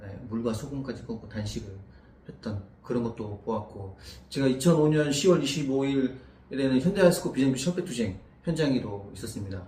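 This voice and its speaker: Speaking at a fairly quick pace, a man uses a medium pitch. Audible room echo surrounds his voice. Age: 40s. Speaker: local council candidate. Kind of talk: interview.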